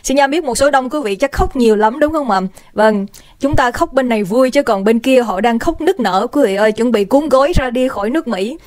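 A woman's voice: fairly high pitch, expressive, fairly quick, darkish tone, no echo. A woman hosting a casual livestream, chatty and bubbly, greeting viewers by name and mixing in English phrases. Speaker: livestream host. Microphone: desk microphone.

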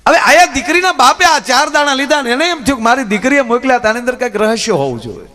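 A man tells village stories on stage. His voice sits high and leaps up and down with animated expression. He moves between loud narration and quiet asides. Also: fast. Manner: lively, swings between loud and soft asides. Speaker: folk storyteller and comedian. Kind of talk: live folk storytelling on stage.

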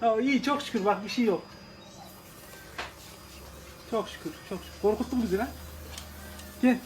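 A man's voice: high-pitched, fast talker, slight background noise. A man in his forties from Turkey, rescuing an animal, talks in a soothing, coaxing way and repeats short words again and again. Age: 40s. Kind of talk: unscripted phone video.

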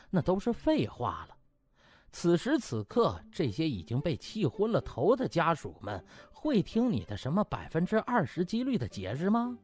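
Guy reading a funny audiobook, super animated and theatrical, bit of music behind. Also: sits high. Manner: theatrical, colloquial. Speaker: audiobook narrator. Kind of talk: comic scripted storytelling.

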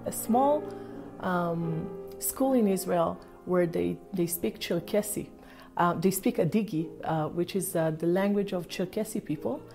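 A woman's voice: fairly low pitch, measured pace, a little mellow, faint music behind. A woman academic answering thoughtfully in an interview, with many fillers, in a library room.

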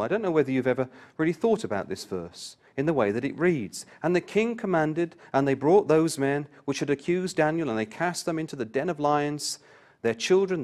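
A man's voice: mid-range voice, a little mellow. Man preaching a Bible study. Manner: reads scripture aloud with rising emphasis, then explains; addresses listeners directly with questions. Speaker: Bible class speaker.

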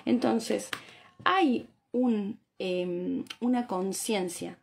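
A woman in her thirties from Argentina with an Argentine accent, giving a chatty, animated live talk to viewers about diet and habits, often checking in with tag questions. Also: medium pitch, drawn-out words, creaky. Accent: Argentine Spanish. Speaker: Ayurveda doctor. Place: small bright room indoors. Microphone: phone camera at arm's length.

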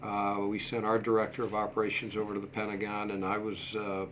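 A man in his sixties answering interview questions in a measured, halting way, pausing as he goes. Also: fairly low pitch, monotone, fairly bright tone, a little hiss or hum, rough recording. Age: 60s. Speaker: interview guest, museum deputy director and former airport manager. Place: small indoor office set. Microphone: desktop microphone shared at a table.

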